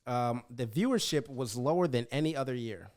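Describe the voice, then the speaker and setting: A man co-hosting a casual podcast, talking in animated bursts that trail off and restart. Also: mid-range voice, moderate pace. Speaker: podcast co-host.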